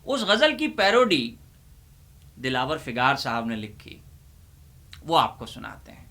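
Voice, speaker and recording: A man playing a theatrical, easily exasperated old uncle librarian who presents and recites comic poetry in a declamatory way with deliberate pauses. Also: medium pitch, big pitch swings, pushed and bright. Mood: pompous, presenting. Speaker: host.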